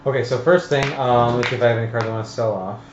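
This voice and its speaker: A man chats his way through the rules of a tabletop game, hesitating as he works things out. His voice is of middle pitch, caught in a muffled recording of an echoey, noisy room. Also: steady tone, rapid-fire. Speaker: player explaining board game rules on a live stream. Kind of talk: casual chat over a tabletop game. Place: room around a game table, live stream.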